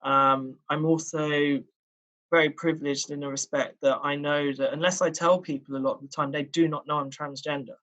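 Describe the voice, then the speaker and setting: A man talks as a guest in a relaxed interview. His voice sits a little higher than usual for a man. He is reflective and earnest, often pausing on "you know" and "um" while he works through a point. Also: rough recording. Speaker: interview guest, public speaker. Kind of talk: casual conversational interview.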